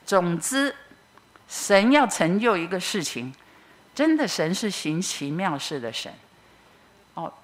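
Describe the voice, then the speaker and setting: Animated Taiwanese woman telling a testimony. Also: on the low side. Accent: Taiwanese Mandarin. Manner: animated, expressive storyteller. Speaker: church member giving a testimony. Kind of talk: personal testimony storytelling.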